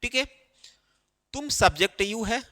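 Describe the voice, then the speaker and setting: A man teaching English grammar in Hindi. He explains slowly and repeats phrases, with many fillers, while writing on a board. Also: very high voice, expressive, pushed and bright, in a large hall.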